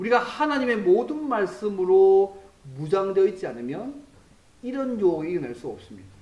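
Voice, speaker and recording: With audible room echo and noticeable background noise, a man speaks at a moderate pace with very wide pitch swings. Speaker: senior pastor. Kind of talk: sermon.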